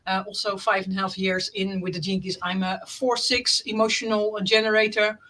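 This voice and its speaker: A woman's voice: mid-range voice, flat delivery, normal speed, bright, forceful tone. A woman from the Netherlands with a troubled throat, introducing herself hesitantly with many fillers on a video call. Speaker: call participant.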